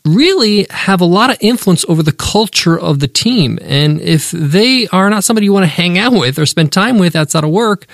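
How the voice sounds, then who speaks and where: A man hosting a business podcast, giving emphatic, animated advice and listing his points one by one. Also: high voice, normal speed, creaky, hardly any pauses, no room sound, studio quality. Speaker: podcast host.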